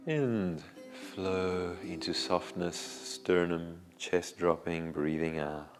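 Middle-aged male yoga teacher, unhurried and soothing; lapel mic in a reverberant studio. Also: low-pitched, over music. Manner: slow, soothing cues timed to the breath. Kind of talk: guided yoga class instruction. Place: indoor yoga studio with bare walls. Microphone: small clip-on lapel mic.

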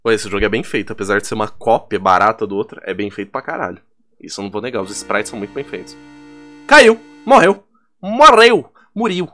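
A young man with a Brazilian Portuguese accent giving excitable, profane let's play commentary, yelling at the game as he plays. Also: lowish voice, very fast, soft background music. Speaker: gaming YouTuber.

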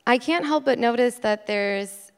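A woman's voice: a little high, measured pace, smooth. A woman interviewing an author on a theater stage, asking admiring questions into a handheld mic. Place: theater stage before an audience. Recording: long hall reverb of a theater.

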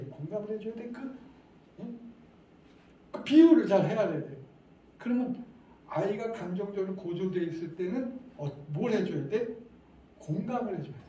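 A man's voice: high-pitched, dark tone, a little hiss or hum. A middle-aged man giving an interactive lecture to parents, quizzing the audience and chuckling as he talks. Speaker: lecturer at parent education session. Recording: echoey hall, distant mic, faint ambience.

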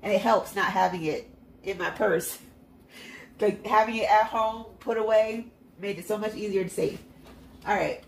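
A congested-sounding woman counts cash into envelopes at a home table, narrating casually as a budgeting vlogger in a chatty, upbeat, self-encouraging manner. Her mid-range voice holds a steady tone at normal speed, with vocal fry. The hands-only overhead camera has the mic off-frame, and the sound is reverberant with slight background noise.

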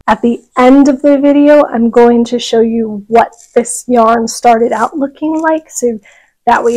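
A woman's voice: a little high, dark tone, poor audio. A middle-aged woman hosting a casual, chatty knitting tutorial, talking carefully with half her face numb and heavy from a dental filling. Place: small furnished room at home.

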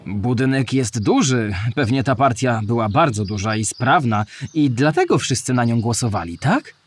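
Guy doing a curious kid critter for a children's story, super animated pitch, kinda husky, earnest and polite. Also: normal speed, natural voice. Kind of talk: animated children's radio play, scripted questions.

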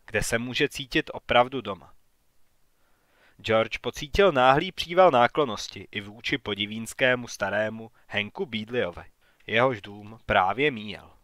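Calm guy reading an audiobook, mid-pitch, super dry close mic. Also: no room sound. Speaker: audiobook narrator. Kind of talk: scripted audiobook narration.

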